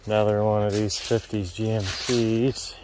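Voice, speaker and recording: A man calmly narrating a casual walk-around tour of a wooded car lot outdoors, in matter-of-fact, unhurried remarks. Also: on the low side, noisy background. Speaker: vlogger touring a car lot.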